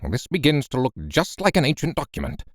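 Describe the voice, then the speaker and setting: A man's voice: on the high side, wildly swooping pitch, brisk, no echo, studio quality. A man doing a stern old professor. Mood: commanding. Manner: brusque, commanding.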